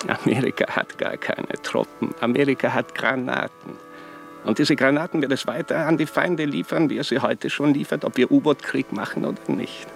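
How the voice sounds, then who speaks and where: An actor playing a haughty, shrewd Catholic archbishop in a German radio play, speaking in a formal, declamatory and pointed manner. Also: male voice, mid-range voice, moderate pace, gravelly, soft background music, natural voice. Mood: emphatic, dismissive.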